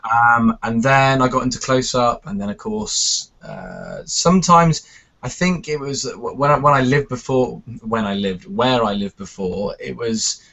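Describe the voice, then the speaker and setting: A man from Wales with an English accent, a guest on a casual video chat, relaxed and self-deprecating. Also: mid-range voice, measured pace, vocal fry. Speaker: guest magician. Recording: lo-fi web call audio.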